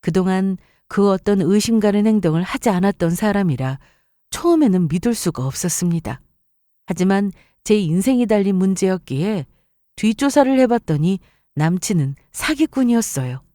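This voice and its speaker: A woman's voice: mid-range voice, expressive, normal speed, mellow, dry recording, studio quality. A woman reading a scripted first-person story as a narrator.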